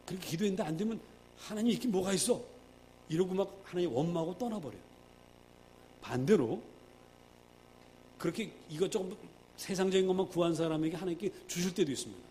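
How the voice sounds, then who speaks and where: A male pastor preaching a sermon, emphatic, swinging between loud and hushed, acting out quoted prayers. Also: high voice, slight background noise.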